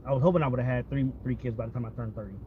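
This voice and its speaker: Casual American male vlogger, candid and profane, mid-pitched, slightly noisy lo-fi recording. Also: racing. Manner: candid, profane, repeats himself. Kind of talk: casual rambling chat. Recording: dull lo-fi audio with background vehicle noise.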